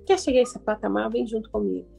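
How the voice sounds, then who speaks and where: A woman's voice: on the high side, fast talker, vocal fry, mellow, husky. A Brazilian woman hosting a motivational self-help radio program, instructing listeners directly with emphatic repetition and guided declarations, with music behind her.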